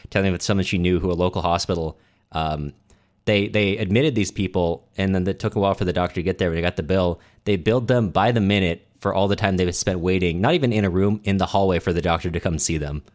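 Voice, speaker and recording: Male podcast co-host, low-pitched voice, informal book chat with a wry, wandering delivery. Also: fast talker. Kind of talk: casual book discussion chat.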